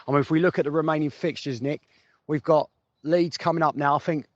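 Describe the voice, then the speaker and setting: A man's voice: a little high, steady tone, fairly quick, dry recording. A man gives informal football fan reaction, chatting and thinking aloud, repeating phrases for emphasis. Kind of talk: informal voice note commentary for a fan podcast. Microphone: phone voice message. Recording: muffled lo-fi voice note, noisy, clicks.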